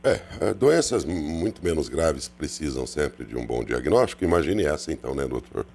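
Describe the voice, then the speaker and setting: A man hosting a radio interview, courteous and measured. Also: a bass voice, sing-song, a little mellow, breathy edge. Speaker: radio host.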